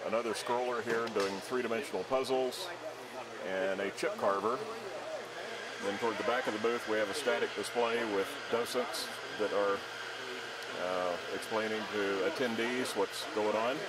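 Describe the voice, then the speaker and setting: Low-voiced older man over loud crowd. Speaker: woodworking club president presenting a booth. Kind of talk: informal booth presentation. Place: large busy exhibition hall. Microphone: handheld microphone. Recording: distant mic, loud show-floor crowd.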